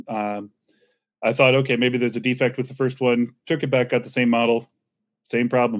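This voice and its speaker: A man with a relaxed tone talks at a fairly quick pace and medium pitch, using monotone, flat intonation broken by long, frequent pauses. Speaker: podcast co-host. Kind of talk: casual chat. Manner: jokey, relaxed.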